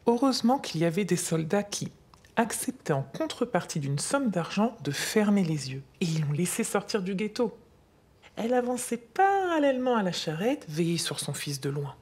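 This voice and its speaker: A woman's voice: mid-range voice, very animated, normal speed, darkish tone, slightly rough. A woman as an older, patient grandmother explaining history to a child in a storytelling way. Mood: patient, explanatory. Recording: music under the voice.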